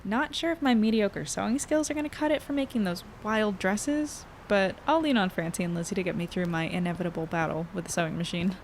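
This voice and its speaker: A woman's voice: mid-range voice, brisk, hardly any pauses, a little hiss or hum, natural voice. A woman playing an upbeat young reporter who narrates a chatty audio journal in an audio drama. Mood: chatty, pleased. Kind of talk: conversational first-person audio drama narration.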